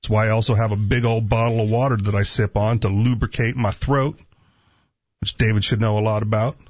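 A man's voice: on the low side, little pitch movement, brisk, dry recording, lo-fi sound. A man co-hosting a call-in talk show in casual, argumentative banter, teasing and joking crudely. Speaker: talk radio co-host.

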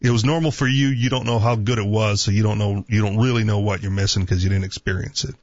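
A man's voice: lowish voice, steady tone, quick pace, no echo. Teasing man bantering on talk radio, dull sound. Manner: teasing, crude joking. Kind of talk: casual argumentative banter on a live call-in show.

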